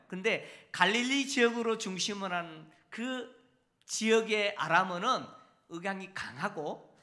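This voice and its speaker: A man's voice: high-pitched, bright, forceful tone. A male pastor preaching a sermon in a church. He teaches step by step and keeps putting rhetorical questions to the congregation. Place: church sanctuary.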